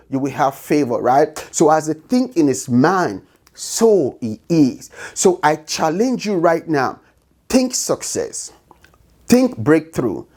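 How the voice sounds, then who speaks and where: A man's voice: on the high side, darkish tone. A middle-aged man with a non-native English accent, giving a motivational business talk with an emphatic, repetitive, preaching cadence. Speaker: business coach.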